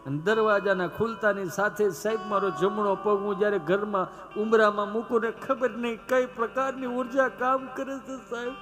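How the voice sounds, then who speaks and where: A man performing comic storytelling live on stage, animated and constantly turning to the audience as 'sir' with rhetorical asides. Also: sits high, moderate pace, few pauses, music in the background. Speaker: stand-up comedian.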